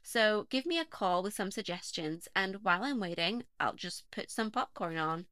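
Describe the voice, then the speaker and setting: A woman in an audio play as a chatty, wry podcast host, talking at a middling pitch. The sound is close and dry, with no room around her. She brushes off suggestions with quick, dry remarks. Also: animated, pushed and bright, no room sound.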